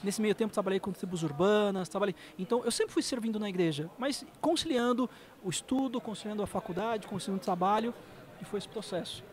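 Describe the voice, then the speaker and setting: A Brazilian man with a high-pitched voice tells stories as a guest on a podcast. He talks with feeling and comes out in quick bursts, his accent clear throughout. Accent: Brazilian Portuguese. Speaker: missionary guest. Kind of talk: podcast conversation.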